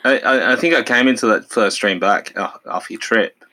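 A man's voice: fairly low pitch, moderate pace, pushed and bright. A man co-hosting a podcast in casual chat, making wry joking asides and riffing on his co-host's stories. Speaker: podcast co-host.

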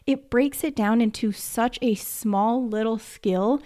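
A woman's voice: fairly high pitch, slow, warm tone. Chatty, emphatic woman teacher. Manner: emphatic and chatty, says "like" often. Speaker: first-grade teacher. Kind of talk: casual podcast monologue.

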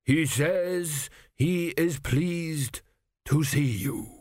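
A grave, elderly high priest, voiced by a man, measuring each word at a stately crawl. He sounds formal and guarded. Dry, close recording. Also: animated, darkish tone, no echo, heavily acted. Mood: ceremonious. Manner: slow, stately and deliberate. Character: aged high priest, solemn, measured and evasive.

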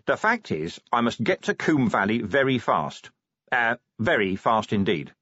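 A man's voice: mid-range voice, big pitch swings, measured pace, fairly bright tone, breathy edge, no echo, dull audio, exaggerated voice. A man voicing a weary, blunt male police commander who talks tersely and urgently in an audiobook. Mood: guarded, reluctant.

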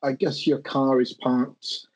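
A man's voice: mid-range voice, flat delivery, slow, slightly rough, poor audio. A man running a tabletop game as game master, hesitant and full of ums as he sets the scene. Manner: hesitant, many ums and uhs.

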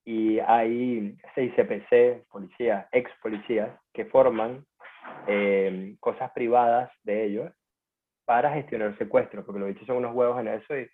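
Venezuelan guy telling a story, super slangy and informal, mid pitch, sounds like it came over a phone line. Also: steady tone, normal speed. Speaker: guest. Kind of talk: casual storytelling.

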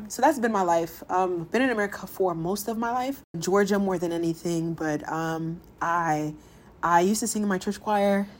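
A woman in her twenties, originally from Ghana, telling her life story in a casual, animated podcast monologue. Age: 20s. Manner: animated storytelling, laughs often, voices others' lines in higher pitch. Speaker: podcast host.

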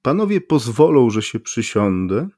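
A man reading an audiobook, voicing an overly courteous foreign male stranger with a low voice that turns shrill, speaking slowly with a foreign accent. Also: sing-song, a little mellow, no echo, clean studio sound. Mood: polite, inquisitive. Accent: foreign accent in speech. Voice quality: low voice, turning shrill with curiosity. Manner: slow, overly polite, theatrical exclamations.

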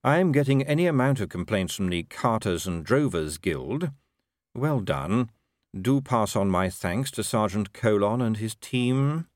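A man voicing an unruffled, quietly ironic city ruler in a story, careful, measured and understated. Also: on the low side, expressive, dry recording, clean studio sound. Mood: dry, deliberate.

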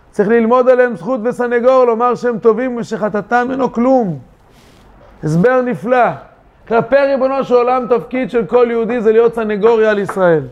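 High-voiced rabbi giving an animated lesson. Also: male voice. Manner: animated, rhetorical questions, acts out quoted voices. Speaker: rabbi teaching a weekly class. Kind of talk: yeshiva Torah lesson. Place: yeshiva study hall. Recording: dull lo-fi recording.

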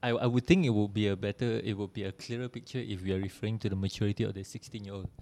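A man's voice: fairly low pitch, steady tone, rapid-fire, darkish tone. A man in a casual podcast discussion, questioning and restating points to clarify them. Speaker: podcast panellist.

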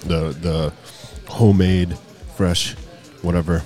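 Man, deep voice, eager food descriptions, music faint underneath. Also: steady tone, slow, a little mellow. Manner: descriptive, enthusiastic about the food. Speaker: co-host of a food review show. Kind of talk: casual chat while eating.

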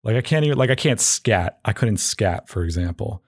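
A man hosting a casual solo podcast, rambling with halting, self-deprecating phrasing and dry, goofy humor. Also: fairly low pitch, animated, husky, no room sound. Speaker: podcast host.

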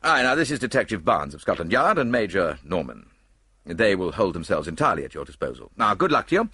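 A man voicing a brisk, hearty government minister who speaks loudly. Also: low-pitched, big pitch swings, breathy edge, dry recording, clean studio sound, full character voice.

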